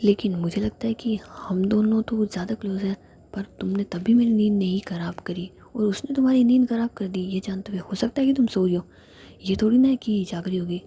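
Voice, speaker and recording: A woman's voice: mid-range voice, brisk, mellow, slightly rough. A woman voicing an angry, jealous young woman, delivering her lines in a snapping whisper. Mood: accusing.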